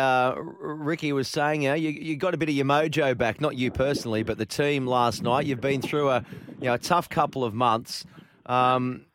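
A man's voice: mid-range voice, a bit bright, no room sound. A middle-aged man hosting a sports radio interview, chatty and friendly, full of fillers.

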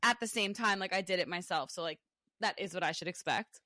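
A young woman in her twenties hosting a casual podcast chat, rambling with plenty of fillers and quick laughs. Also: lowish voice, background noise. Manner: chatty, lots of fillers and laughs. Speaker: podcast host.

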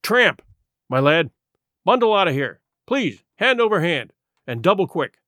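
Man playing Captain Smollett, stern animated sea captain. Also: high voice, unhurried, no echo, studio quality, heavily acted. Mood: stern defiance. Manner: commanding, emphatic, clipped declarations. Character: stern, defiant, honourable English sea captain.

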